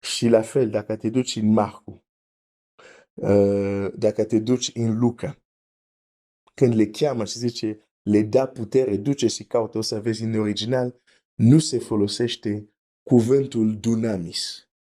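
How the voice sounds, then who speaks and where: Man, preacher, sermon teaching, reads verses aloud, explains carefully, low warm voice. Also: steady tone.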